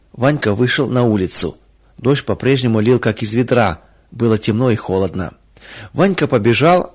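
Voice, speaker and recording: Husky-voiced male storyteller. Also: medium pitch. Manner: calm, measured storytelling. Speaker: narrator. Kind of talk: scripted narration of a Christian children's story.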